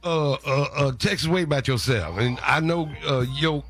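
A folksy Pentecostal preacher, as a man puts him on, rambles through his prayer in a slightly high, preachy drawl. Faint organ music plays behind him, as if in a small church. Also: expressive, normal speed, fairly bright tone. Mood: preaching. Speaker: reverend. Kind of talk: mock sermon and prayer.

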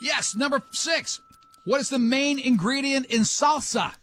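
A middle-aged man hosting a radio show, bantering and running a quick quiz in a teasing, jokey way. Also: very high voice, a bit bright, soft background music. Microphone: studio microphone.

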